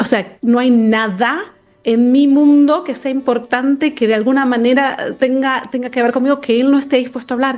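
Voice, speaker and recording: With a high pitch and fairly even intonation, a woman keeps to a moderate pace. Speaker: author. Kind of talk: interview.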